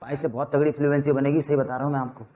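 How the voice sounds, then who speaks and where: A man with an Indian accent teaching a spoken English lesson, mixing Hindi with English and coaxing learners through rapid drills. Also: mid-range voice. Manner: energetic, coaxing drill instructor.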